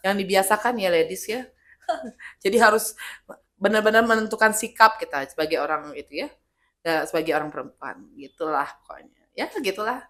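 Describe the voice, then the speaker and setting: A middle-aged woman with a hoarse voice from illness, telling stories as a guest in a casual interview and acting out quotes. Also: medium pitch, fairly quick. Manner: lively, animated storytelling with acted quotes. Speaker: guest speaker, army officer's wife.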